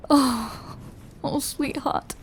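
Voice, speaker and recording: A woman playing a lonely, tender immortal vampire lover in an intimate audio roleplay, her voice breathy and often half-whispered, with an emotional delivery. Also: high voice, steady tone, slight background noise, exaggerated voice. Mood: tearful relief. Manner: slow, hushed, emotional delivery with long pauses.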